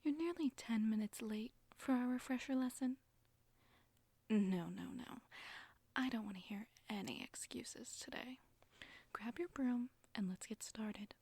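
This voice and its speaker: A woman's voice: a little high, measured pace, no echo. Woman playing a whispering, teasing witch instructor. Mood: scolding. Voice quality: soft breathy whisper. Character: flirty, sassy witch broom-riding instructor, condescending but coaxing. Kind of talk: whispered ASMR roleplay.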